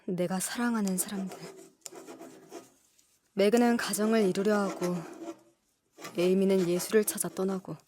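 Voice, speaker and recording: A woman's voice: medium pitch, fairly even intonation, moderate pace, pauses often, natural voice. An actress playing an earnest, independent-minded young woman in an audio drama, with a hesitant, heartfelt delivery. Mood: reflective.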